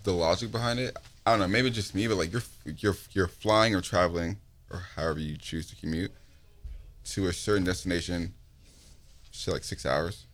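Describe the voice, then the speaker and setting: A young man with a deep voice chats casually. He talks like a frat bro, leaning on slang, loose swearing and a constant "like" as he rambles. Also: steady tone, normal speed. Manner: slangy frat-bro talk, frequent profanity and "like". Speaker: interview guest, touring recording artist. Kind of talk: casual chat.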